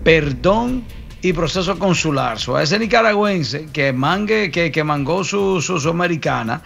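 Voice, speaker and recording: Gravelly, joking lawyer on a radio show. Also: male voice, on the high side, animated, normal speed, a bit bright, faint music behind. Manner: joking, slangy, teasing. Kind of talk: live radio legal advice.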